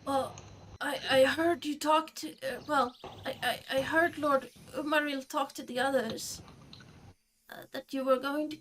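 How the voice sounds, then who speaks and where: A woman's voice: sits high, steady tone, a little slow, fairly bright tone, slight background noise, voice pushed up. A woman doing a tiny frail forest creature. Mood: sulky. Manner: stammering, childlike. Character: tiny frail leaf-hooded forest creature, sulky and blunt.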